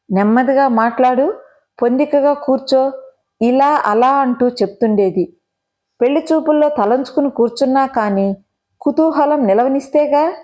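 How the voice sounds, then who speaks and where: A woman narrating a first-person audio story in an expressive, measured storytelling manner. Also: on the high side.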